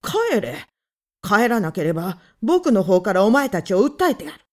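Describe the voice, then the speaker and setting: A woman voicing a cornered male writer who blusters loudly while his voice trembles. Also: mid-range voice, very animated, moderate pace, lightly acted. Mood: blustering.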